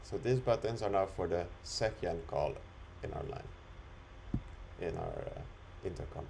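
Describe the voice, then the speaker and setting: A man talking through an unscripted screen-recorded software demo, explaining it step by step in an instructional way. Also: low voice, a little slow, gravelly, background noise. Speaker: software demonstrator.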